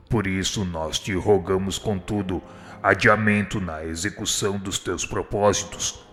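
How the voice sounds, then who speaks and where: Deep-voiced, pleading spiritual instructor. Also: male voice, bright, forceful tone. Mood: humble pleading. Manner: solemn, supplicating, formal and eloquent. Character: kind, humble male spirit instructor, pleading and dignified. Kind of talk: radio drama acting. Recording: long hall reverb, music underneath. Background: music.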